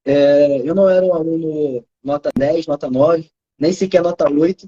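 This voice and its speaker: A young man in his twenties with a Carioca accent, a student answering interview questions over a video call in a soft-spoken, modest way. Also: on the high side, normal speed, highs cut off. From Rio de Janeiro, Brazil. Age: 20s. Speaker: student approved in medicine.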